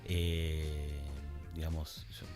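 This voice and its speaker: A man's voice: extremely low pitch, completely flat delivery, drawn-out words, over music. An Argentine man co-hosting a radio show, telling anecdotes in a rambling, informal way. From Punta Alta, Argentina. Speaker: radio co-host. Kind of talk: casual anecdotal chat.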